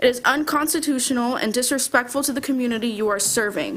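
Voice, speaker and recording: A woman talks with an American accent in a high pitch. Her pitch variation is ordinary, and there is noticeable background noise. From Sarasota, Florida. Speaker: parent, public commenter. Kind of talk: public comment at school board meeting. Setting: school board meeting. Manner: forceful.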